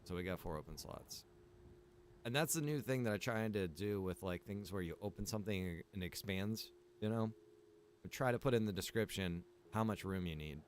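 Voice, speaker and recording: A man with a fairly low voice talks casually as he streams a game. He rambles a little, thinking out loud as he goes. Faint background noise sits behind his voice. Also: moderate pace. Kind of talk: casual live gaming commentary.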